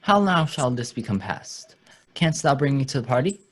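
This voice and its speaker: A woman playing a swaggering, gullible male lord with a husky voice in a Shakespearean radio play. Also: a bass voice, sing-song, normal speed, full character voice. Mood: conspiratorial.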